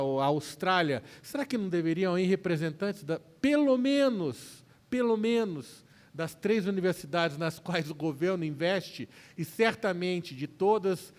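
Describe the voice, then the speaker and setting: A man speaking as a panelist, working through rhetorical questions with hesitant restarts and repeated words. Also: fairly high pitch. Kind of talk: panel discussion answer.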